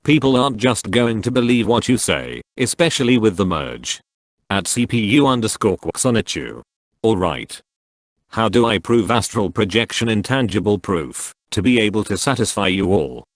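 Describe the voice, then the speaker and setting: A man's voice: fairly low pitch, lively intonation, normal speed, no echo. A man reading social media posts aloud, speaking every handle and symbol out literally.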